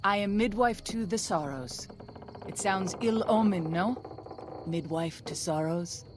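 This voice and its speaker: A woman playing a solemn tribal midwife and scout in a video game, speaking formally and with measured, archaic phrasing. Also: mid-range voice, over music, natural voice. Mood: calm, wry.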